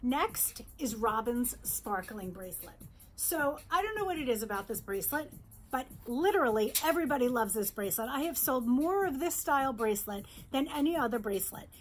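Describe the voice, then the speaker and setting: A middle-aged woman from New York, a jewelry designer, presenting her bracelets in a bright, chatty sales pitch in her showroom, close to the camera. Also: expressive, fairly quick, soft background music. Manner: upbeat, chatty sales pitch, holds up pieces. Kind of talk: virtual trade show product presentation. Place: indoor showroom with jewelry displays.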